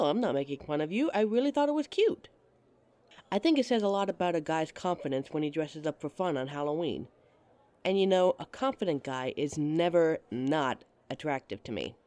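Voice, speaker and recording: A woman's voice: sits low, darkish tone. A woman playing a giggly, teasing date. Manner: teasing and giggly, laughs often. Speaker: voice actress in an audio roleplay. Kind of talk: audio roleplay addressing the listener as a date.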